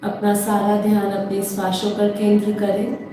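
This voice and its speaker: Woman, meditation guide, calm, even monotone delivery, drawn-out repeated phrases, heavily reverberant distant recording, faint noise. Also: mid-range voice. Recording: very echoey, distant mic, faint background noise.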